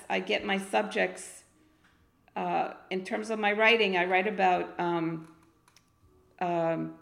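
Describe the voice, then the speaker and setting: A woman's voice: on the low side, vocal fry. Outspoken Argentine-born woman, echoey room. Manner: outspoken, blunt and emphatic. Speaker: guest poet. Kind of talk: casual interview chat.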